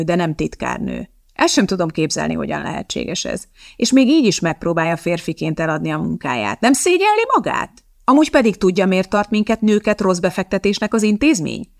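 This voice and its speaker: A woman's voice: on the low side, animated, vocal fry, dry recording, studio quality. Woman reading as a sneering female personnel officer. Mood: scornful. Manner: mocking, needling.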